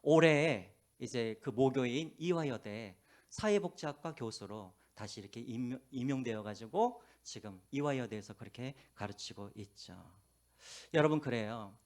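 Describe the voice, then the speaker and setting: Animated male pastor preaching. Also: medium pitch, normal speed. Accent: faint Jeolla. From Korea, Gwangju. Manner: animated storytelling, drops to hushed asides. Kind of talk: sermon. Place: church.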